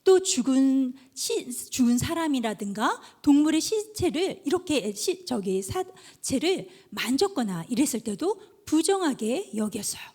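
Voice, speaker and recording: A woman's voice: high voice, unhurried, hardly any pauses. A woman preacher giving a children's sermon, telling little stories and speaking straight to the kids. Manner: animated storytelling, addresses children directly.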